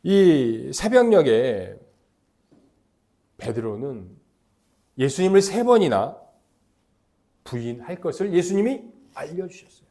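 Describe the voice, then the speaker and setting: A middle-aged man preaching a sermon as pastor, emphatic and lively, leading the congregation in call-and-response chants. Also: a little high, takes it slowly, pauses often.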